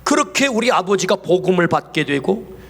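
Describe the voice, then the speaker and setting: High-voiced male pastor preaching. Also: sing-song, normal speed, gravelly, a bit bright. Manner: asks the congregation many rhetorical questions. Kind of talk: sermon. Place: church sanctuary. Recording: long church hall reverb.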